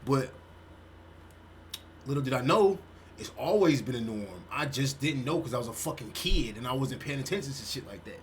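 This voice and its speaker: A man in his twenties, a streamer giving casual reaction commentary, animated and peppering his talk with "bro". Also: medium pitch, moderate pace, slight background noise. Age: 20s. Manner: animated, swearing, says "bro" often.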